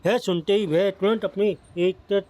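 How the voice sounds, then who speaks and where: A man with a notably high voice reads a devotional scripture passage aloud. His delivery is a steady recitation that now and then trips and doubles back over a word. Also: measured pace. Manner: steady recitation with frequent slips and restarts. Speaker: scripture reader.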